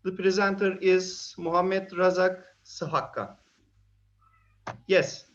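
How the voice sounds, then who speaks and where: A man with a Turkish accent chairing an academic conference session online in formal, halting English. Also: sits high, steady tone, a little hiss or hum. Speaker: academic, head of transportation engineering division. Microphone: online video call. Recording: dull lo-fi online call audio.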